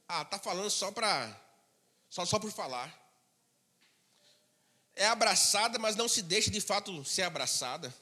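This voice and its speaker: Male pastor, sermon, high and bright tone, conversational storyteller, reverberant hall. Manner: conversational storytelling, drops to a low murmur for asides.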